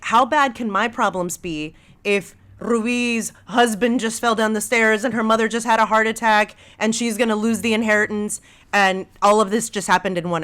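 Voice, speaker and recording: A woman's voice: mid-range voice, fairly bright tone. A woman guest talking casually and emphatically on a podcast, stating her opinions firmly.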